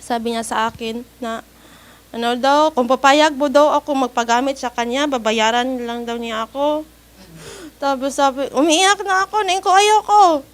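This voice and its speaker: A woman's voice: sits high, moderate pace. A woman, an overseas worker, earnestly and politely recounting a personal ordeal in an interview, with nervous laughs. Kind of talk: personal story told in an interview.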